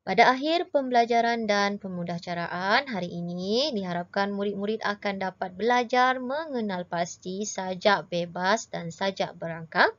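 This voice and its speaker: A woman teaching a primary school class with a Malaysian Malay accent, slow, patient and encouraging, reciting poems with dramatic intonation. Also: medium pitch, no echo. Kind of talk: online lesson. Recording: dry, dull lo-fi audio.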